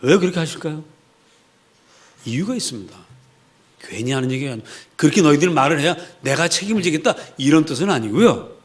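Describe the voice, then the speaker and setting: A man's voice: on the high side, animated, fast. A man preaching a sermon in a conversational way, asking the congregation questions and acting out the voices of the people he quotes. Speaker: pastor.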